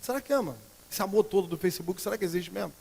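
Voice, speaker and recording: Brazilian pastor, high voice, preaching hard then going quiet, long church reverb. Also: male voice, very fast, gravelly, breathy edge. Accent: Brazilian Portuguese. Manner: emphatic preaching, swinging between loud outbursts and quiet earnest passages. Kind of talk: sermon. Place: church sanctuary.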